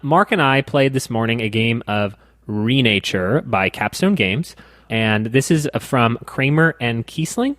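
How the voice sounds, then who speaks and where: A man's voice: mid-range voice, expressive, a little slow, a bit bright, no room sound. A man co-hosting a casual board game podcast, walking through rules step by step with some dry teasing. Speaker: podcast co-host.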